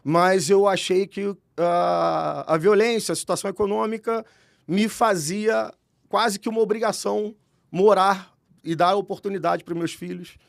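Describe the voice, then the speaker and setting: A man from Rio de Janeiro speaking with a Carioca accent, an animated and talkative podcast guest. His voice sits fairly high and carries a gravelly rasp. The recording is close and dry. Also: measured pace, no echo. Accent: Carioca Brazilian Portuguese. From Rio de Janeiro, Brazil. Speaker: guest executive. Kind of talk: podcast interview.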